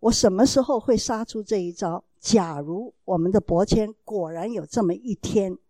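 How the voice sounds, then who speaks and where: A woman giving a Christian parenting talk to an audience, telling a story about her child with animated storytelling and acted-out dialogue. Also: mid-range voice, normal speed, no echo. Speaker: mother giving parenting advice.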